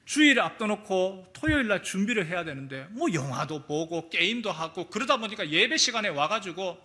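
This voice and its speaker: Male pastor, sermon delivery; lively, swooping pitch, storyteller who acts out quotes. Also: normal speed. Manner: animated storytelling, acting out quotes. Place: church sanctuary.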